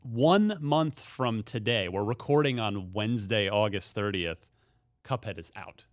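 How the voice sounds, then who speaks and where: A man's voice: lowish voice, lively intonation, a little slow. A man hosts a casual gaming podcast, chatting and acting out little quoted asides as he goes. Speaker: podcast host.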